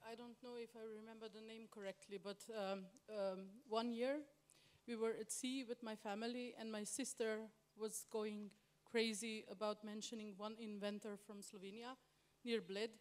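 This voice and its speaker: Woman, fairly high voice, panelist, thoughtful, a bit tentative. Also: flat delivery, moderate pace. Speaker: business panelist. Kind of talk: panel discussion answers.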